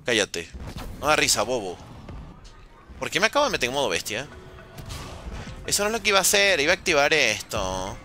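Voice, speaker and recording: A man's voice: medium pitch, very animated, fairly quick, long pauses, sharp tone, faint music behind. A young man streaming a zombie game live, playfully joking, teasing his chat and swearing as he plays. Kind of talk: live gaming commentary, reading chat.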